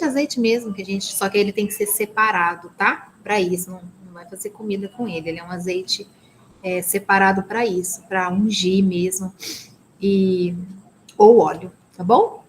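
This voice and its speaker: Here the same kind of speaker, a Brazilian-accented woman teaching a women's ministry Bible study live online, sits in a mid-range voice. Her tone is sincere and packed with blessings, and she keeps tossing in "amen?" and "né?" as tag questions. Audio quality is rough, with slight noise behind her.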